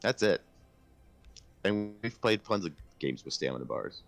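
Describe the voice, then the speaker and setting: A man's voice: fairly low pitch, lively intonation, unhurried, gravelly, soft background music. A man co-hosting a casual podcast, talking about video games in an emphatic, enthusiastic way. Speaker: podcast co-host. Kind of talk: casual video game discussion.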